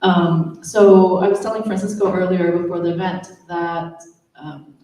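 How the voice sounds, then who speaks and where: A woman poet whose first language is Vietnamese, thinking aloud on a panel with many pauses and ums. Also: fairly low pitch, steady tone, warm tone. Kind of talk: live panel discussion. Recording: echoey hall, mic from far off.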